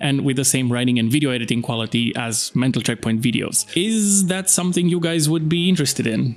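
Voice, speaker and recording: In a Romanian accent, a man with a fairly high pitch speaks at a moderate pace with ordinary pitch variation. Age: 30s. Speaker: game design YouTuber. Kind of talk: scripted Q&A narration.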